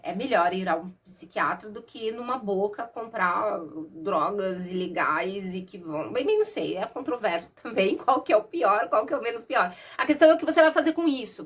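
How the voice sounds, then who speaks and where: A woman's voice: medium pitch, husky. A Brazilian woman with a cold, talking nasally and conversationally as a therapist explaining things to her viewers without an external microphone. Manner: warm, conversational, uses many diminutives and asides. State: has a cold. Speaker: therapist and mentor. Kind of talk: casual explainer talk to camera.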